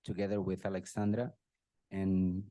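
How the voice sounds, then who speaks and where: An emotional middle-aged Brazilian man, a native Portuguese speaker, gives a personal tribute speech with jokes at a birthday. His deep, dark voice keeps a level tone at normal speed with no echo, and he often clears his throat and uses self-deprecating humor.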